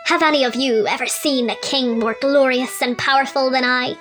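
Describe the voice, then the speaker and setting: A woman's voice: high-pitched, steady tone, normal speed, a bit bright, pitched above the performer's own voice. A woman voicing a proud, boastful tiny male fairy king who speaks in grand proclamations, with violin music behind.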